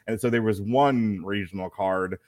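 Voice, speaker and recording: A man's voice: on the low side, moderate pace, dry recording, studio quality. A man hosting a live fight-night stream, chatting casually with jokey asides and frequent laughs. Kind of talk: casual live commentary chat.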